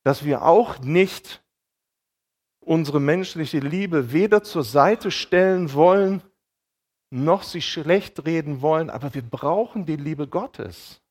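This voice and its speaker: A man preaching a sermon in a casual, colloquial way, often checking in with his listeners with short tag questions and retelling dialogue as lively acted quotes. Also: fairly high pitch, slow. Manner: colloquial, keeps checking in with "ja?" and "okay?".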